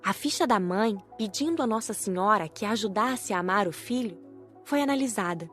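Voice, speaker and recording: A woman narrating a scripted audiobook story in the first person, with measured, careful enunciation. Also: medium pitch, expressive, fairly bright tone, faint music behind.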